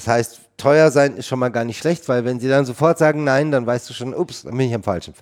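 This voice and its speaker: In an unremarkable speaking voice, a man at a medium pitch talks at a fairly quick pace with hardly any pauses, ordinary pitch variation, and big swings in loudness. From Munich, Bavaria. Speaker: film editor. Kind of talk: interview. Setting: in person.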